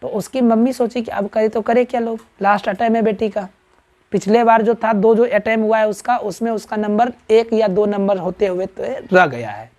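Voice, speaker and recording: A man with a Bihari Hindi accent teaches a grammar class, his voice pitched high and his pace normal, with a darkish tone and the highs cut off. He fires questions at the students in call-and-response fashion, checking with them constantly and asking "right?" again and again.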